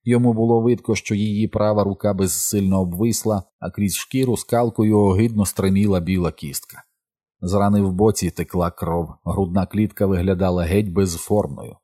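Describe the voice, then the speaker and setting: A man reading a novel aloud as an audiobook narrator, in steady, measured storytelling. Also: on the low side. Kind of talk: scripted narration.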